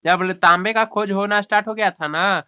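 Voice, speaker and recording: A man's voice: sits high, steady tone, normal speed, pushed and bright, clean tone. Male tutor, coaxing and scolding, drills words by repeating them, muffled lo-fi sound. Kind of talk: English lesson taught in Hindi. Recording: dull lo-fi recording.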